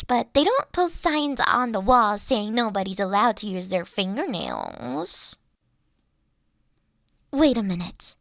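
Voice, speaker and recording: A woman's voice: on the high side, a bit bright, dry recording, clean studio sound, exaggerated voice. A woman playing a huge, friendly, nerdy young dragon college student in a roleplay audio drama, talking in a bubbly, awkward, hesitant way.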